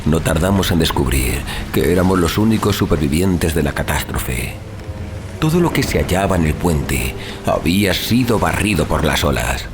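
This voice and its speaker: A man giving a dramatic, measured and expressive narration of a horror story at sea. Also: rumbling low, background noise. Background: music.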